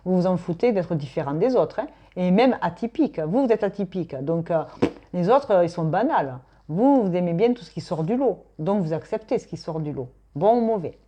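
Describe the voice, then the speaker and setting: Chatty woman with a mellow, low voice. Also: expressive, fairly quick. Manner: chatty, emphatic, thinks aloud with many fillers. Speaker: tarot reader. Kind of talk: casual weekly tarot reading.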